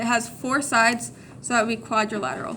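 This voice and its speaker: The speech rushes along at a very fast pace with fairly even intonation. Noticeable background noise and audible room echo are present. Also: woman. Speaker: math teacher. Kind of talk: classroom lecture.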